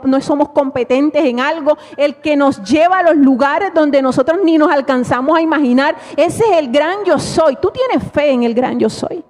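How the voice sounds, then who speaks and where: A middle-aged woman pastor, preaching a fervent sermon that swells to shouting. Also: sits high, big-room sound. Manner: impassioned preaching, rising to shouts.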